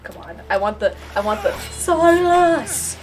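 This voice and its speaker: A woman giving casual, excitable reaction commentary while watching an animated show, exclaiming and giggly. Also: high-pitched, unhurried, over music. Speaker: reaction host. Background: animated show soundtrack.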